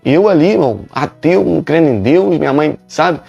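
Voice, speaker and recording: A man's voice: on the high side, animated, a little fast, gravelly, mellow, slightly rough, no echo, lo-fi sound, faint music behind. A male pastor, telling his own conversion story emphatically and with many repetitions. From Rio de Janeiro, Brazil. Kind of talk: preaching a personal testimony.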